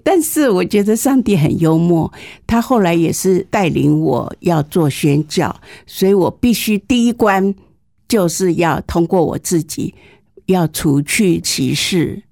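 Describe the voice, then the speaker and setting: Mellow woman in her sixties, southern Taiwanese accent. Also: lowish voice, animated, unhurried, vocal fry, dry recording, studio quality. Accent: southern Taiwanese Mandarin. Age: 60s. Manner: candid, self-deprecating, humorous. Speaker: interview guest, teacher. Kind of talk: conversational personal storytelling.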